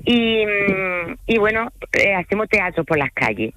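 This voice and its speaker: A woman's voice: mid-range voice, lively intonation, measured pace, fairly bright tone, dry recording. A middle-aged woman, a native French speaker, talking casually as a guest on a radio interview about her guided tours, often tagging sentences with "vale?". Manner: chatty, frequent "¿vale?" tags and fillers. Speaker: tour guide and company manager.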